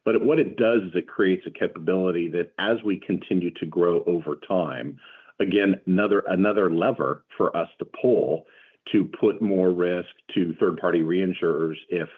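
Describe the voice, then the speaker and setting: A man answering questions as a company executive on an earnings call, in measured corporate explanation. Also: low voice, slightly rough. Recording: muffled phone-like conference call line.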